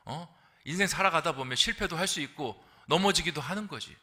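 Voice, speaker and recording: A man voicing a gruff, blunt father who cheers up his grown son in plain, manly words. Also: fairly high pitch, a little fast, sharp tone. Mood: gruff encouraging.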